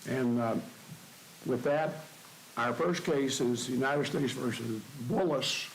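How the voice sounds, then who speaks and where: Older guy judge addressing a courtroom, creaky voice, stops and starts a lot, bit of hiss. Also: medium pitch, low-quality recording. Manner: halting, frequent hesitations and repeated words. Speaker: presiding appellate judge. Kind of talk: courtroom opening remarks. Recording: faint hiss.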